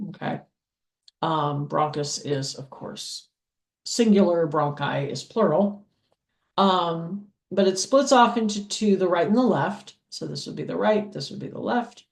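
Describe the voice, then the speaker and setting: A woman with a deep voice for a woman, teaching anatomy in a patient lecture style, checking in with "okay?" and filling pauses with "um". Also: lively intonation, vocal fry. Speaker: anatomy instructor. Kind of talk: slow explanatory lecture over diagrams.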